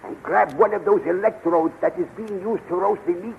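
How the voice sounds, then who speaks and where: An actor playing an earnest, scheming scientist with urgent, deliberate delivery in a 1930s radio serial. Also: male voice, sits high, steady tone, creaky. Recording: tinny, hissy 1930s radio recording.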